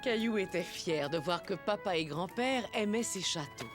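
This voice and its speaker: A woman narrating a children's cartoon as a gentle storyteller, reading a scripted tale. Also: on the low side, lively intonation, moderate pace, music in the background, natural voice. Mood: gentle storytelling. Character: gentle storybook narrator of a small boy's day.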